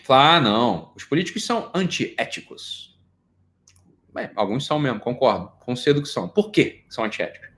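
A man's voice: medium pitch, a little fast. A middle-aged Brazilian man giving an informal psychology lecture, joking and firing off rhetorical questions. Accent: Brazilian Portuguese. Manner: animated, jokey, rhetorical questions.

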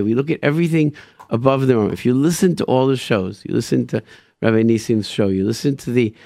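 A man's voice: medium pitch, gravelly, darkish tone, no echo. A man hosting a radio show, telling personal religious stories informally and emphatically, repeating phrases and sprinkling in Hebrew and Yiddish expressions.

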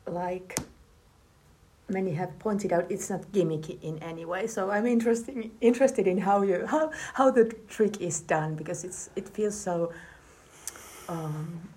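A woman's voice: lowish voice, measured pace, warm tone, slight background noise. Woman hosting an interview. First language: Finnish. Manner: searching for words, agreeable. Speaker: interview host. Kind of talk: conversational interview.

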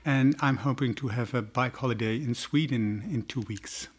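Dutch-accented man, 50s, podcast guest, halting and word-searching delivery. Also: medium pitch, breathy edge. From Netherlands. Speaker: guest, nature organization program head. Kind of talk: conversational explanation.

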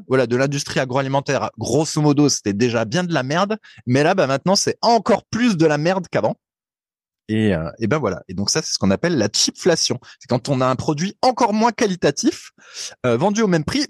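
Man, podcast co-host, slightly high voice, talkative explainer, dry close-miked sound. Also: no room sound. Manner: chatty, explanatory, laughs easily. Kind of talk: casual chat.

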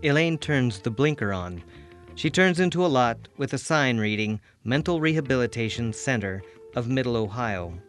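A man's voice: medium pitch, animated, normal speed, soft background music. A man reading scripted, present-tense scene narration for an audio drama.

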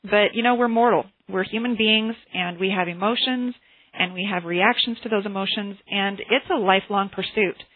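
A woman's voice: mid-range voice, moderate pace, breathy edge, no room sound. Lady doing a motivational class over a conference call, earnest and personal, tinny dry phone sound. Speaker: host and teacher of a motivational class. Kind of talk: motivational seminar talk on a group call. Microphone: telephone conference call.

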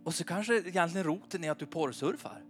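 A man in his forties preaching an informal, animated sermon at a church meeting, often asking his listeners "va?". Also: on the high side, soft background music. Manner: chatty, animated, keeps asking the crowd "va?".

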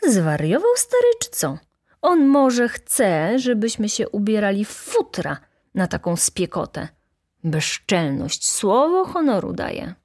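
Woman doing a shrill, furious young student. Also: expressive, measured pace. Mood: indignant. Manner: shrill outraged shouting. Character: hot-tempered poor young male student, indignant.

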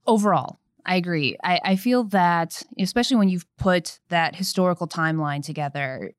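A young woman attorney telling a personal story in an earnest podcast conversation, growing animated as she recounts events. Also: lowish voice, normal speed, dry recording, studio quality.

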